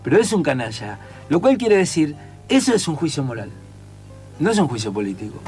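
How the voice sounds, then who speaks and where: A man's voice: on the high side, sing-song, fairly quick, a little mellow, soft background music. A man with a Rioplatense Spanish accent, a writer and teacher in casual conversation, who sings out rhythms to explain his points.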